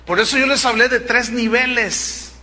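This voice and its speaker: A pastor in middle age delivers a sermon in a high, forceful voice. He leans on his points with emphasis and keeps asking his listeners whether they follow him. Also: steady tone, normal speed. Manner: emphatic, with rhetorical check-ins to the congregation.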